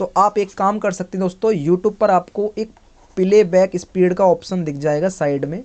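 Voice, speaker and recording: High-pitched man's voice with ordinary pitch variation. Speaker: current affairs exam tutor. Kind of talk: tutorial. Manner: slow; soft-spoken.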